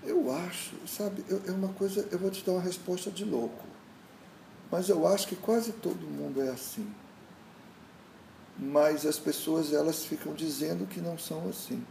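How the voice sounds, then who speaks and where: A meditation teacher speaks in a warm, gravelly voice that sits a bit high for a man. He muses slowly and restarts often as he feels his way. The room is echoey, with faint background noise. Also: fairly even intonation. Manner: searching, repetitive restarts, storytelling. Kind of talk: reflective casual interview talk.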